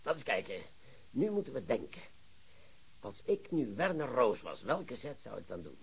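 An actor playing an excitable, boastful police chief who lectures his colleagues in a radio play. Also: mid-range voice, normal speed, creaky, slightly rough, heavily acted. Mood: excited, lecturing. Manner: animated, theatrical, lecturing colleagues. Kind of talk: Dutch radio drama acting.

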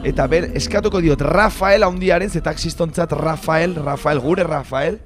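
A man's voice: moderate pace, lightly acted. A man playing a chatty, easygoing taxi driver in casual radio theatre, rambling and repeating himself. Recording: noisy recording with vehicle rumble.

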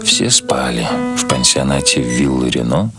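A man's voice: very deep voice, expressive, measured pace. A man reading scripted literary prose as the narrator of a radio production. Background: loud music.

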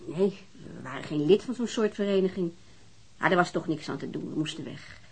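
A woman's voice: on the low side, animated, brisk, husky. An actress playing a weary, defensive divorced mother, answering questions hesitantly in a naturalistic radio drama.

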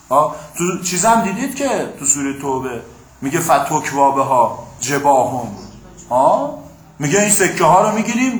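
A man's voice: on the high side, a bit bright. Man, classroom lecture, reads Arabic then explains it, keeps checking with listeners, roomy echo. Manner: keeps checking with listeners and prompting them to answer; reads Arabic passages, then explains them in plain speech. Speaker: teacher of Quran commentary.

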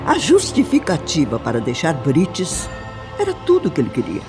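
An actress playing a wronged, bitter woman recounting her past life in a radio soap opera, with emphatic delivery and dramatic pauses. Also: low voice, wildly swooping pitch, loud music behind the voice.

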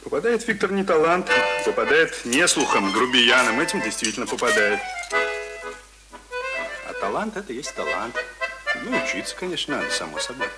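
A pompous middle-aged man, played by an actor in a radio drama, forever lecturing. His mid-pitched voice swings widely in intonation, with loud music playing behind him. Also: big pitch swings, normal speed, close to an everyday voice, low-quality recording. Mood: preachy. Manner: didactic, pompous, repetitive moralizing. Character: preachy, self-important middle-aged male visitor, courting awkwardly. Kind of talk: Russian radio drama acting. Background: loud accordion and music.

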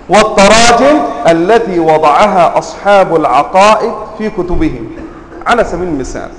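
A man teaching Arabic grammar to a class. He quizzes the students with frequent questions and drawls example words slowly for emphasis. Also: on the high side, slight background noise. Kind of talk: classroom lecture. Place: lecture room with students. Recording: roomy echo, faint ambience.

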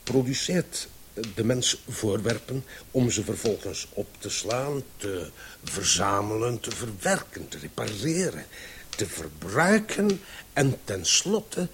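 An actor playing a pedantic, self-assured amateur scientist in a radio play, lecturing with emphatic pauses. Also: male voice, fairly low pitch, very animated, fairly bright tone, full character voice. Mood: pompous, lecturing. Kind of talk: Dutch-language radio play acting. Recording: faintly hissy old radio recording.

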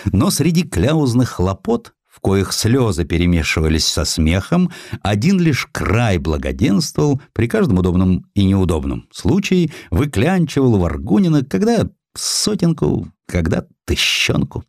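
A man narrating a historical literary sketch in an expressive, theatrical storytelling manner. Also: fairly low pitch, measured pace, gravelly, no echo, clean studio sound. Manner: theatrical, acts out dialogue. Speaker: audiobook narrator.

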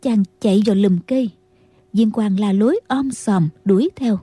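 A woman narrating a martial-arts novel as an audiobook, in a steady storytelling manner. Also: medium pitch, moderate pace, breathy edge, dry recording.

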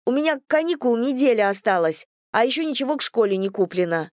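A woman's voice: a little high, expressive, dry recording, studio quality, voice pushed up, close to an everyday voice. A woman voicing a blunt teenage schoolgirl who complains to her mother in an audiobook. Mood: indignant. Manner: fast indignant grumbling.

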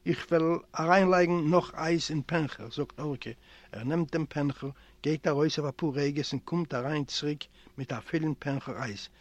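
Male audiobook reader, native Yiddish speaker. Expressive literary reading in a slightly high register, recorded dry. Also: normal speed, no room sound. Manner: expressive, voices characters with raised pitch. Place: library recording room.

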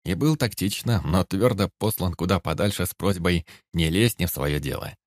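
A man reading a first-person story aloud in a steady, grave narrating manner. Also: sits low, moderate pace, no room sound, studio quality. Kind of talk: audiobook narration.

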